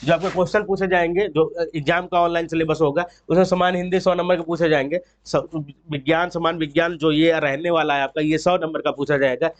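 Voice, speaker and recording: A man's voice: fairly high pitch, steady tone, fairly quick, few pauses. A man presenting an exam-prep book walkthrough in an informal, explanatory way, mixing in English terms. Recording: dull, lo-fi sound.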